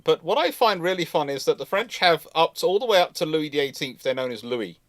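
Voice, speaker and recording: Guy hosting a casual chat, bit high voice, dry close mic, explains stuff emphatically. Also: a bit bright, dry recording. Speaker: host of a live naval history Q&A stream. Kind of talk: casual discussion.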